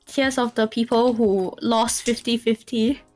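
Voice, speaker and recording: A woman's voice: on the high side, steady tone, a little slow, a little mellow, soft background music. A woman chatting casually on a livestream, often restarting her sentences and giggling. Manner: stammering restarts, frequent giggles. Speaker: streamer co-host.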